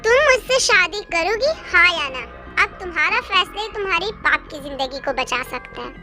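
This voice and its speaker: A high young voice acts out an obsessive young man in a fan audio drama, cooing sickly-sweet endearments before dropping into low threats. The voice itself sits very high. Music plays clearly underneath. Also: animated, moderate pace. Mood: menacing.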